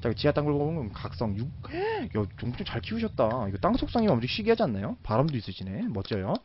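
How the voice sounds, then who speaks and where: A man doing casual commentary as a game streamer, excitable and breaking into sudden loud shouts. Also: medium pitch, fast talker, dull audio, a little hiss or hum.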